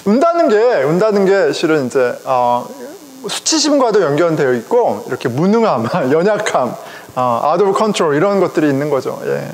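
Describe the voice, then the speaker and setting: A middle-aged man, a pastor, preaching a sermon in a conversational, animated way, speaking directly to his congregation. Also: on the high side, moderate pace. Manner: conversational, animated, chuckles often, addresses congregation. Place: church sanctuary. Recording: long reverb of a church hall.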